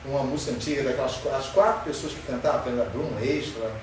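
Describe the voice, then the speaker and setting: A man's voice: mid-range voice, fast talker, darkish tone. A man teaches a Sunday school Bible lesson, questioning his class in an emphatic way. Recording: roomy far-off sound with faint noise.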